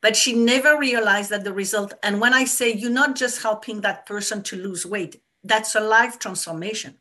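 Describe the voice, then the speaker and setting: French-accented lady coach, bright clear voice, keeps hammering her point. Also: medium pitch, normal speed. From France. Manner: earnest and explanatory, stresses points by repeating them. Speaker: business and mindset coach. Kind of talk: casual interview answers.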